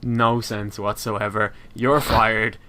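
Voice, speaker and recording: A man's voice: lowish voice, little pitch movement, slow, sharp tone. A young man co-hosting a podcast, with dry, teasing banter and casual swearing. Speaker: podcast co-host. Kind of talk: casual chat.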